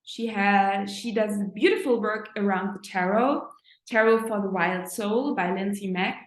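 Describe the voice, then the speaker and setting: A woman with a German accent, a German native speaker, giving a reflective spiritual talk as an astrologer, pausing to search for words. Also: mid-range voice. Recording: echoey room.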